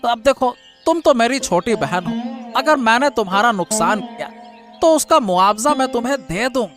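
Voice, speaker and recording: A man's voice: extremely high pitch, expressive, moderate pace, over music. A man voicing a remorseful elder brother in a cartoon story, earnest and reassuring.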